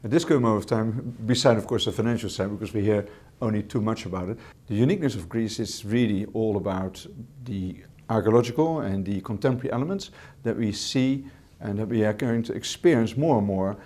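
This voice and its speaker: Fillers and repeated words run through the measured answers of a Dutch-accented hotel manager being interviewed in his second language, English. His voice is warm and on the low side.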